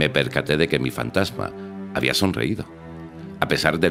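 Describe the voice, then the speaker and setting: A man's lively speech at a moderate pace, with music in the background. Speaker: radio presenter. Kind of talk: audiobook narration.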